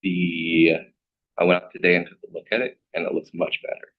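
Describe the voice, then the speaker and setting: A man with a raspy voice giving a formal staff presentation as a program manager. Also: low-pitched, level tone, brisk. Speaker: city stormwater program manager. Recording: dull, band-limited meeting audio.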